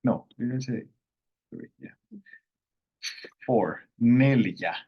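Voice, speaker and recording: A man who is a native Finnish speaker, hosting a casual online language lesson in an unhurried, rambling way with self-corrections. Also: medium pitch, lively intonation, husky, phone-quality sound. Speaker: language course host.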